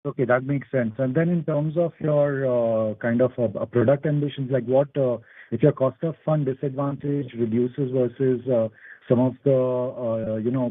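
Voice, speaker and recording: A man's voice: medium pitch, fairly even intonation, moderate pace, no room sound. Male analyst on a dry phone line. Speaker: analyst asking questions. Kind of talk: questioning on a conference call. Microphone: telephone.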